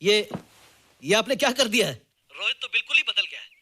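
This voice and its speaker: An actor playing a school principal who speaks formally on a phone call, in film dialogue. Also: male voice, high-pitched, very animated, brisk, sharp tone, a little hiss or hum, exaggerated voice. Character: school principal phoning a parent.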